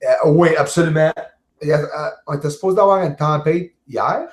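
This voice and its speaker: Man, Québécois French accent, jovial, halting with fillers, casual video call chat, echoey room. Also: fairly high pitch. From Quebec, Canada. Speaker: guest, amateur astronomer. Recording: roomy echo.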